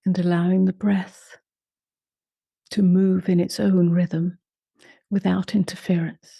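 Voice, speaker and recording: A woman leading a guided meditation in a soft, unhurried voice that often drops to a half-whisper. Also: fairly low pitch, flat delivery, vocal fry, slightly rough, dry recording, lo-fi sound. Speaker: meditation teacher.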